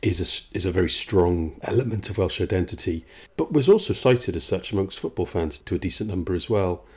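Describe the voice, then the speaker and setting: A man's voice: low-pitched, a little fast, a little mellow, breathy edge. A man interviewing a researcher, reflective and hesitant, often repeating words. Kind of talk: conversational interview.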